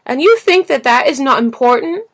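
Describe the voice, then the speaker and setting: A woman's voice: sits high, expressive, moderate pace, pitched above the performer's own voice. A woman voicing an earnest, passionate little boy prince in a storybook reading, speaking insistently and emphatically. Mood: passionate, hurt. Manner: insistent, emphatic, rhetorical questioning. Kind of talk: storybook character voice in audiobook reading.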